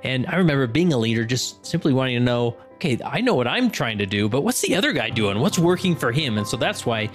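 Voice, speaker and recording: A podcast host with a mid-range, very animated voice talks quickly with few pauses over soft background music. He's upbeat and chatty, full of fillers and restarts, moving between a casual interview and a scripted promo read.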